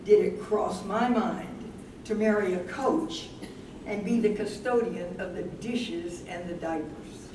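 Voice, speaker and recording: A very echoey, noisy recording of a woman as a bookish young college woman in a stage drama. She is self-assured, with a medium-pitched voice. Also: takes it slowly, natural voice. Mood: firm. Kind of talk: staged play reading. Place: indoor venue at a live staged reading. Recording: very echoey, noisy room, far from mic.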